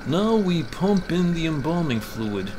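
A man's voice: a little high, sing-song, measured pace, noisy background. A man voicing a practical, matter-of-fact undertaker in a horror comic story. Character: businesslike, coolly practical male small-town undertaker.

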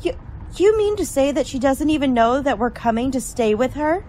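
Woman acting a fretful college girl, higher voice. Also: expressive, normal speed, warm tone, a little hiss or hum. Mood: exasperated. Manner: fretful, wordy complaining. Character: Lona, tired, grumbling young female college student. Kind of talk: old-time radio drama acting.

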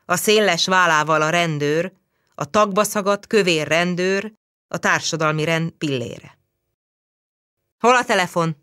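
A woman narrating a novel as an audiobook in measured storytelling. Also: on the low side, a bit bright, clean tone, no room sound, clean studio sound. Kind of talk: scripted literary narration.

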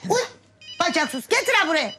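An actress playing a brash, earthy middle-aged village matchmaker with a Black Sea Turkish accent, in a TV comedy. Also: female voice, very high-pitched, sing-song, brisk, music in the background. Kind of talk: TV comedy drama acting.

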